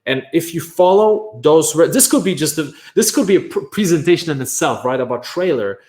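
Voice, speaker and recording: A man from Poland, a native Polish speaker, delivers a high-energy online workshop on creating courses, stressing things with "right?" and "bam" over and over. His voice is a little high and he talks a little fast, in an echoey room.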